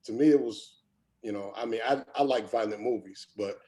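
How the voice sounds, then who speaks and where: A man's voice: fairly low pitch, moderate pace, dark tone. A man giving informal feedback in a group discussion, plain-spoken and repeating himself for emphasis. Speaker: table read participant giving feedback.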